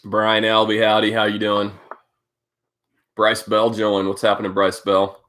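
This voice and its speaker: Congested deep-voiced man hosting a live stream. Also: monotone, measured pace, a bit bright. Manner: rambling, greeting viewers by name, many fillers. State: congested from a cold. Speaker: host of a live cycling update stream. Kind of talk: casual live-stream chat.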